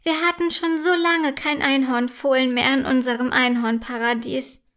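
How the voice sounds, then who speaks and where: A woman voicing a kindly white unicorn mare who speaks softly and gently in a children's story. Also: sits high, fairly even intonation, moderate pace. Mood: gentle.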